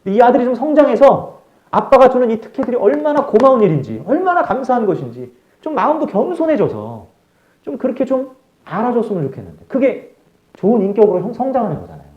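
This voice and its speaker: Animated man preaching in an echoey church. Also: extremely high pitch, brisk. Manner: animated storytelling, rising to emphatic. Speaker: pastor. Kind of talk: live sermon. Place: church worship hall. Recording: echoey, dull live church sound.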